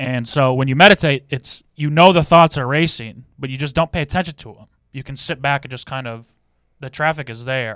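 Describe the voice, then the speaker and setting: A man with a plain, everyday voice, fairly high in pitch, with an American accent, a fairly quick pace, ordinary pitch variation and big swings in loudness, in a very clean, dry, close recording with a silent background and no echo. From Detroit, US Midwest. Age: 20s. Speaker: podcast co-host. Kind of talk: casual chat.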